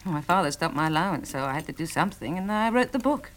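Lively, wistful young woman. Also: low voice, fast talker, slight background noise. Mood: earnest. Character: wistful, playful, well-bred young woman novelist. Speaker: actress in a radio drama. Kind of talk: 1960s radio drama acting.

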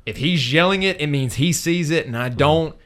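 A man with a somewhat high voice tells stories from the cage in a loose, rambling way, full of fillers and restarts. His tone is casual podcast chat. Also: moderate pace, fairly bright tone. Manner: rambling, filler-heavy storytelling. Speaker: MMA fighter.

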